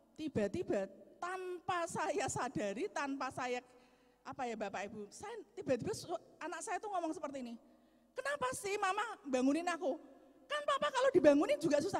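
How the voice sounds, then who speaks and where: Noticeable background noise runs behind a woman whose extremely high voice makes very wide pitch swings. She talks at a fairly quick pace in an animated tone. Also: big swings in loudness. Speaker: preacher. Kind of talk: sermon.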